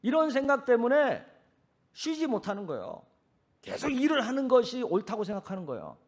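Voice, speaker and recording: A male pastor preaching a sermon in a conversational, animated way, asking the congregation rhetorical questions. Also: extremely high pitch, brisk. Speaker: senior pastor.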